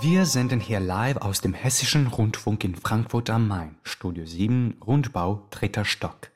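An actor playing an excitable, euphoric Yugoslav male radio host with a theatrical, rambling way of moderating a live show. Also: fairly low pitch, unhurried. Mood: intimate. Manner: theatrical, rambling, exuberant, switching from hushed to shouting. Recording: music behind the voice. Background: music.

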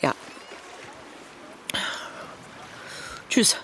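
A woman playing a grieving, wry woman in her thirties in a radio play, speaking plainly and haltingly. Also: fairly bright tone, natural voice. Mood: tender parting. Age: 30s. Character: grieving, wry 32-year-old woman adrift at sea. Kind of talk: naturalistic radio play dialogue. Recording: clear watery background noise, boat-like ambience. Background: lapping water and sea ambience.

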